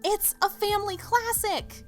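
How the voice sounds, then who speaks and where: A woman playing an excitable, blunt young friend with an emphatic, casual way of talking in an audio drama. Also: very high-pitched, unhurried, faint music behind. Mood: excited, blunt.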